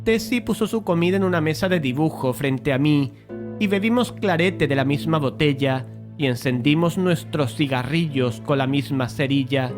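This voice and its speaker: A man playing a painter who narrates a dramatized horror tale in a measured, literary way, curious and uneasy. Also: on the high side, music in the background, close to an everyday voice. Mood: calm, reflective. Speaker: narrator and lead character.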